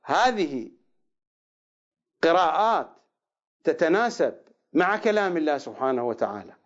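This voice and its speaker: Animated high-voiced man giving a religious lecture. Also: lo-fi sound. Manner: slow deliberate recitation of words, then quick asides. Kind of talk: lecture on Quran readings.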